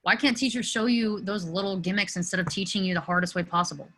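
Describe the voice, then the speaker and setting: A woman playing an awkward, excitable, friendly teenage boy in a virtual table read. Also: mid-range voice, fast talker, natural voice, rough recording. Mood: chatty, friendly.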